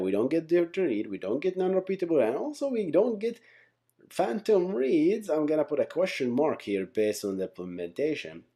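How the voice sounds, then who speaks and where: Animated man teaching, mellow voice. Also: lowish voice. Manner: conversational, often checks in with "right?", "okay?", "guys". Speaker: software engineering instructor, channel host. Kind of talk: informal explainer lesson.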